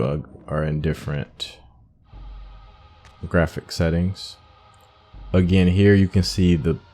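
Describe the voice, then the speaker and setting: Low, dark-voiced man commentating a game. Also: a little hiss or hum. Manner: informal, thinking aloud. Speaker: gaming video host. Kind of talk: casual playthrough commentary.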